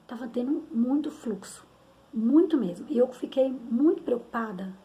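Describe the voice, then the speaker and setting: A woman's voice: a little high, animated, moderate pace, mellow. A middle-aged woman with a Brazilian Portuguese accent, telling a personal story as a mother in a candid, rambling, conversational way, often tagging her sentences with questions.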